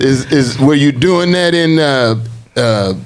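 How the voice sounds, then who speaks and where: A man hosting a casual comedy podcast, loud and teasing, laughing often, with a Southern US accent. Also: medium pitch, slow. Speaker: podcast host.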